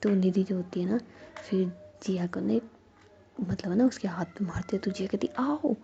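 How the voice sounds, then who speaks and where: A woman's voice: mid-range voice, little pitch movement, normal speed, gravelly, dark tone. A woman narrating a love story in a chatty, casual way with many fillers, on a dull lo-fi recording. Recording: dull lo-fi recording with faint noise.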